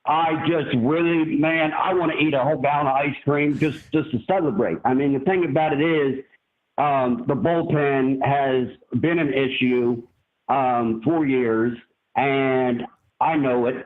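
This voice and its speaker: A man calling in to a live show, heard over a phone line, talking in a rambling, candid way with fillers. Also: mid-range voice. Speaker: caller to a live fan show. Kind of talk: casual call-in chat.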